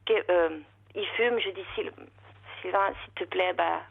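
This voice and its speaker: A middle-aged woman, not a native French speaker, calling in to a radio show and talking haltingly, repeating words and searching for them. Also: on the low side, gravelly, breathy edge. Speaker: caller. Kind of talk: emotional call-in confession. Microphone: telephone. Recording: phone line.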